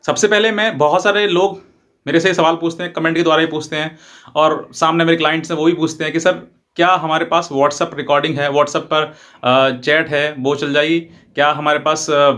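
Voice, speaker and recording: A man's voice: a little high, flat delivery, moderate pace, a bit bright. A man, an advocate, gives an informal, repetitive explainer and mixes in English legal terms. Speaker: advocate presenting legal advice videos.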